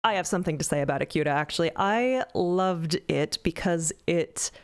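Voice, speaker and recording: A woman's voice: fairly low pitch, normal speed. A woman, one of the show's creators, talking through the season in a casual roundtable, thoughtful and explaining at length. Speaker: podcast co-creator.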